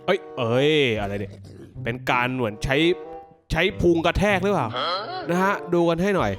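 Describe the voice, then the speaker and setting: A man hosting a gaming video, giving excited gameplay commentary full of exclamations as he reacts aloud to the action. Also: on the high side, moderate pace, soft background music.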